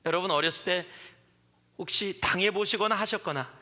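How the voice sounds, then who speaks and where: A pastor in his forties delivers a sermon in a church sanctuary. His voice sits high and sounds sharply bright. He brings stories to life by acting out the people he quotes, and the long hall reverb trails after his words. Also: normal speed. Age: 40s.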